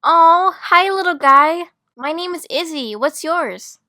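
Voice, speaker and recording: Woman as a bright, unhurried schoolgirl. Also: mid-range voice, expressive, clear, resonant tone, no room sound, studio quality. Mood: affectionate. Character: schoolgirls in a magic-school friend group. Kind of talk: voiced animated school roleplay story.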